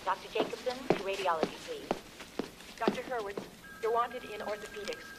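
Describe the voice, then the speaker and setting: An actress voicing a calm female hospital page operator, heard over a PA loudspeaker from a distance. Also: medium pitch. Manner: calm, measured paging announcements. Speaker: hospital paging announcer. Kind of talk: 1970s TV drama acting. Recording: distant PA loudspeaker with loud noise.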